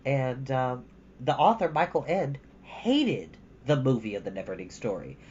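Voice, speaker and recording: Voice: medium pitch, very animated, moderate pace, darkish tone, a little hiss or hum. Chatty storytime host, muffled lo-fi sound. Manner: chatty, informal, rambling asides. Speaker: host of a storytime livestream, reading a novel aloud. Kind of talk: casual livestream chat and storybook reading. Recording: dull lo-fi audio with background music. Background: ambient background music.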